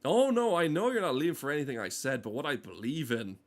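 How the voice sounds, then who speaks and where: A man's voice: fairly high pitch, lively intonation, quick pace. A man rambling casually as a game streamer, swearing often and ranting in a mock-earnest way. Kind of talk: casual rambling livestream commentary.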